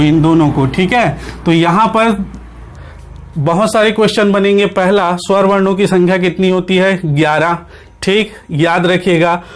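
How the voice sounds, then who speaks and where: A man with a high-pitched voice delivers an online grammar lecture. He keeps asking the class questions and answering them himself, and he drills each point with short confirming checks. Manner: repeats key points with frequent checks. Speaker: Hindi grammar teacher. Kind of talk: online exam-prep lecture.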